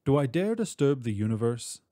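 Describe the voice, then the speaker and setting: A man giving an expressive, measured recitation of literary poetry, drawing out words for emphasis. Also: mid-range voice, no room sound, clean studio sound. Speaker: poetry reader.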